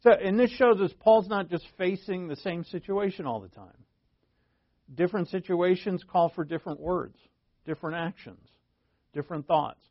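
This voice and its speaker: A man teaching a Bible study in a relaxed, conversational way, with asides, fillers and verse readings. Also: high-pitched, moderate pace, dry recording, lo-fi sound.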